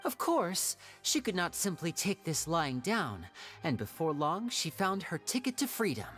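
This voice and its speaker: A woman playing a shrewd young magician in a video game, telling stories in a theatrical, measured, wry way. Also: on the low side, big pitch swings, fairly bright tone, faint music behind. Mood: dramatic storytelling. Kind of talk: video game voice acting, dramatic storytelling.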